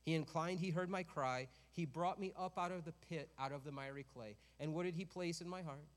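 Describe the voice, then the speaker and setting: A man's voice: a little high, fairly quick, long reverb tail. A man preaching a sermon in a conversational way, with joking asides and rises to emphatic peaks.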